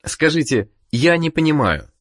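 A man narrating a language course, giving the listener clear prompts and questions to answer. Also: fairly high pitch, animated, moderate pace. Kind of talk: scripted instructional narration.

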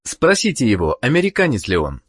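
Husky man giving lesson prompts. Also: medium pitch, wildly swooping pitch, brisk. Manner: gives clear prompts and questions to the learner. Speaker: language course narrator. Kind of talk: scripted instructional narration.

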